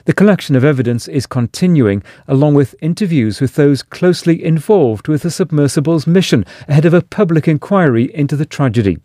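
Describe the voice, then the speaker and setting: A man, a correspondent, delivering a sober, steady news report. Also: a little high, a little fast, hardly any pauses, dry recording, clean studio sound.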